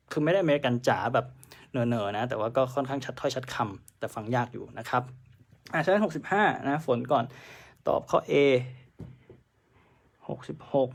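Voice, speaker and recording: A man's voice: medium pitch, creaky. A man teaching a live-streamed exam prep lesson, chatting through answers and mixing English terms into his explanations.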